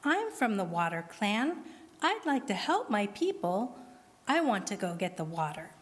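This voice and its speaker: A woman voicing a small, brave girl with a small, squeaky voice in a storybook reading. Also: big pitch swings, measured pace, long reverb tail. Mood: earnest. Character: small brave girl, timid but determined.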